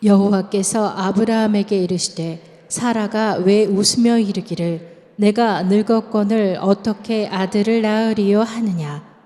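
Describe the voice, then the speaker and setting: A woman reading scripture aloud in a steady, measured way. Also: mid-range voice. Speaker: scripture reader. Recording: long church reverb.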